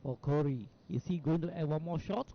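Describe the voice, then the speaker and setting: A man's voice: fairly high pitch, a little fast, creaky. A male co-commentator at a bowls match who asks questions and replies briefly. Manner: asks questions, short agreeing replies, laughs easily. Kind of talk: live sports commentary. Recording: lo-fi broadcast audio with faint noise.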